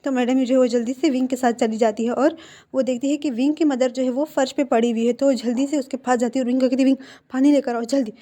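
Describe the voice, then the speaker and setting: A woman's voice: sits high, steady tone, fast talker, dark tone. A woman casually retelling a fan fiction story in a chatty way, full of filler phrases.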